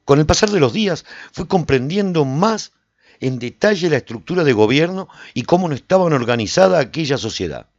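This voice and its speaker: A man playing a reflective survivor, narrating a post-apocalyptic radio serial in the first person in a measured, dramatic way. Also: fairly high pitch, very animated, no room sound, highs cut off. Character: reflective male survivor recounting life in a post-apocalyptic walled city.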